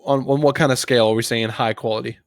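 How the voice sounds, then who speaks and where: A man hosts a casual podcast with quick, conversational delivery. His pitch is average and the sound is dry, with very little room on it. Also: steady tone, no room sound. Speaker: podcast host moving segments along.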